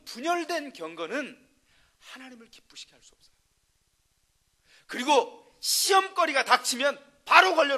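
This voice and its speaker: A man preaching a sermon as pastor, telling stories and asking the congregation rhetorical questions, dropping to a hush and then rising to loud, emphatic bursts. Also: high voice. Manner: swings between soft, hushed passages and loud, emphatic bursts.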